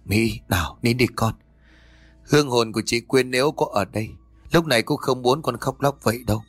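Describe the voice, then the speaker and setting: A man voicing a gentle older uncle who comforts a grieving girl in a fatherly way. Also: mid-range voice, fairly quick, breathy edge, no room sound, soft background music, lightly acted. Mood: soothing. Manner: soothing, fatherly.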